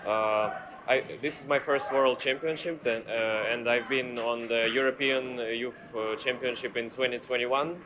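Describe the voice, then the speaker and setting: Halting young man from Russia. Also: medium pitch, steady tone, noisy background. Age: 20s. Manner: halting, many fillers. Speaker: athlete. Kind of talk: recorded self-introduction.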